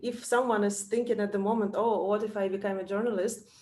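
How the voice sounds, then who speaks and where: A Russian accent, monotone, flat intonation and audible room echo. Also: woman. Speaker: journalist. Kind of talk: casual chat. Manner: halting.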